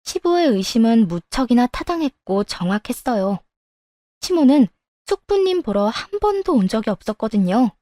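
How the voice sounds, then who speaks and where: A woman tells her own story as a calm first-person narrator. Her voice sits a bit high yet sounds mellow and soft, recorded dry and close. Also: normal speed, no echo.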